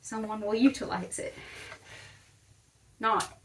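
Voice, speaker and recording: A woman's voice: mid-range voice, slow pace, fairly bright tone, recorded from a distance, slight background noise. A young woman vlogger chatting casually in her bedroom while she tidies, rambling and correcting herself as she goes. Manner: rambling, self-correcting, talks while tidying. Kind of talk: casual chatty vlog narration.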